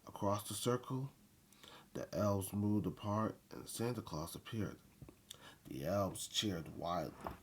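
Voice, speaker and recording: A man reading a children's Christmas story aloud in a halting way, stumbling and repeating phrases, with a husky voice. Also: lowish voice.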